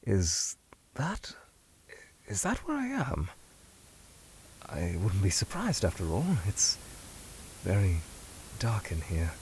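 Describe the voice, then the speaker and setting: A man playing a weary, scholarly monster scientist trapped in a void, speaking in a measured, halting, brooding way that trails off, in a fan audio drama. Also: sits low, wildly swooping pitch, slight background noise, exaggerated voice, poor audio. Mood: uneasy, brooding. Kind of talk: fan audio drama, in-character answers to questions.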